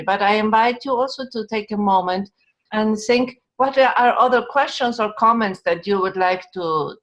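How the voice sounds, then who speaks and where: A woman's voice: medium pitch, a bit bright, poor audio. Woman from Argentina hosting a video call. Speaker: host, moderator.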